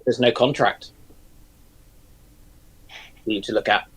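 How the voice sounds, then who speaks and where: Man, co-host, casual chat, mid-pitched voice, dry quick asides. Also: slightly rough, low-quality recording.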